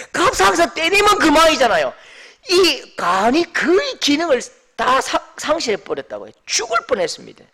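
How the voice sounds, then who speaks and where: A pastor preaches a sermon. He tells it like a story and acts out the dialect quotes. His voice sits high and moves up and down a lot. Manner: storytelling with mimicked dialect quotes, lively and animated.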